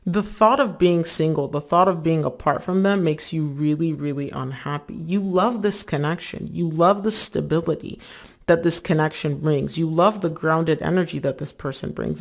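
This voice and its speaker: A tarot reader talks straight to the viewer in a loose, chatty way, full of filler words. The voice sits at a middling pitch and has a noticeable gravelly fry. Now and then they act out the listener's anxious inner thoughts. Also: normal speed. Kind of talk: casual tarot reading to viewers.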